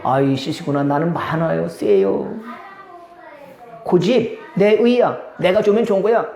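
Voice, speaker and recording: A high-pitched man preaches from the pulpit in a lively, conversational way. He keeps turning to the congregation with questions. The sound is roomy, with the echo of a church hall. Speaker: pastor. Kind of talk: sermon. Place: church sanctuary.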